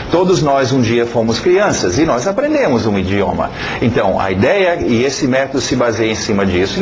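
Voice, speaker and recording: A male teacher talks through a course introduction in an easygoing, conversational way. He is a native English speaker, fills pauses with hesitations and keeps checking in with "ok?". Faint noise hums behind him. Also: mid-range voice, low-quality recording. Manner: chatty, repeats "ok?" often, many fillers.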